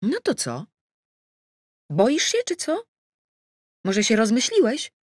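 Bristling middle-aged bride-to-be played by a woman narrator: defensive, flustered, exclaiming, very lively pitch, dry storybook sound. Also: takes it slowly, no room sound, exaggerated voice. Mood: anxious, challenging. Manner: emotional, exclaiming, self-justifying. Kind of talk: acted audiobook dialogue.

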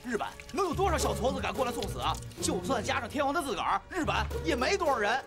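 A fiery young patriot in a period TV drama, earnest and quick to take offence. He talks fast in a very high voice, with music underneath. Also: sing-song, exaggerated voice. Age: young adult. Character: young hot-headed patriotic lad Changshun. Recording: drama soundtrack with music behind.

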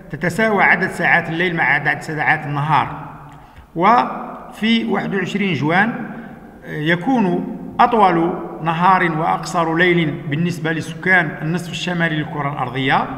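A man teaching a lesson, working through exercises step by step with patient explanations and frequent "uh" pauses. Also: fairly high pitch, sharp tone. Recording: echoey room with long reverb.

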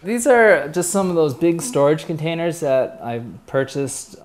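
A man's voice: on the high side, animated, unhurried. A man in his thirties casually explaining his homemade aquaponics setup in a greenhouse and at home, speaking plainly with fillers and restarts.

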